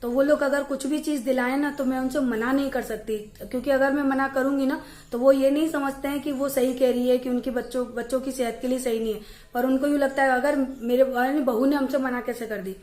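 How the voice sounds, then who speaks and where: A young woman vlogging from her home, chatting to camera and telling stories in a lively way. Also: high voice, fairly quick, reverberant. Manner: chatty, animated storytelling. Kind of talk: casual chat to camera. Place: at home, indoors.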